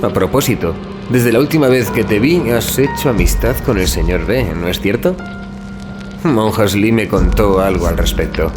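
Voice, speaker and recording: An actor playing a chatty, wry young student in an audio drama, conversational and gossipy. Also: male voice, fairly low pitch, normal speed, natural voice. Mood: friendly, frank. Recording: dialogue over clear background music.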